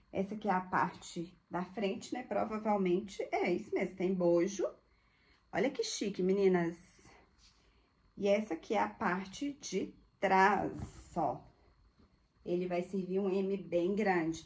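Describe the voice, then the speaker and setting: A woman's voice: medium pitch, a little mellow. A woman, showing thrift-store clothes to viewers in a chatty, gushing way. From Brazil. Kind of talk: casual live product showcase.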